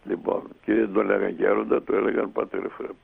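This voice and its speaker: A man telling a long anecdote as a radio guest, in a lively, unhurried way. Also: on the low side. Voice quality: gravelly and husky. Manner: lively, animated retelling with many pauses. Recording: tinny phone line on radio.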